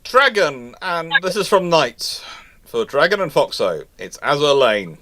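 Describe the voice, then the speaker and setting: A man hosting a live history question-and-answer stream in casual chat, talking in a halting, rambling way with repeated words. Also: fairly high pitch, sing-song, pushed and bright. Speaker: host of a live naval history Q&A.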